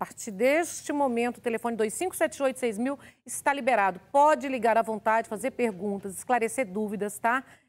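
Her speech comes at a fairly quick pace. This woman's fairly high voice shows ordinary pitch variation. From Brazil, Minas Gerais. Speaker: TV talk show host. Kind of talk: live TV talk show. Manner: animated. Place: studio. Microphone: lapel.

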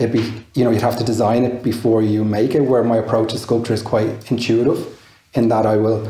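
A man with an Irish accent at a fairly quick pace, light background noise and audible room echo. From Ireland, Wicklow. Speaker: visual artist. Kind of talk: interview. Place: studio.

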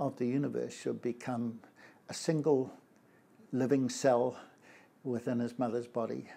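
Speaking at a fairly slow pace, a man with a New Zealand accent has a dark, mellow tone. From New Zealand, Auckland. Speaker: physicist; interviewee. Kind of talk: interview about faith; interview answer. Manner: hesitant with frequent fillers. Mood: warm, reflective. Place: office. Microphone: lapel.

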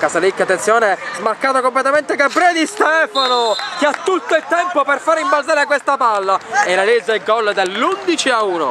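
A man's extremely high, raised and projected voice, excited in tone, with very wide pitch swings over crowd noise in the background. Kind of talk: live sports commentary, play-by-play of a match. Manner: rapid-fire, excited, rattling off player names and passes in a breathless rush.

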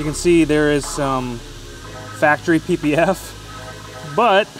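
The speaker is a man whose pitch varies in an ordinary way. Clear music sounds behind him. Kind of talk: walkthrough commentary. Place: garage.

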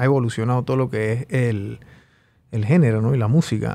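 A man's voice with fairly even intonation. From Panama. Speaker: podcast host. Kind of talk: casual chat. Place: studio. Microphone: studio mic.

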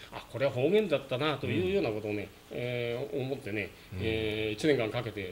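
With light background noise, a man talks at a fairly quick pace and ordinary pitch variation. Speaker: amateur rakugo performer. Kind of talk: interview answer. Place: studio. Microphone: studio mic.

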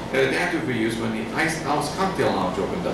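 Through loud background noise and audible room echo, a man talks at a very fast pace. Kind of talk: reading of a written local history piece. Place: cafe.

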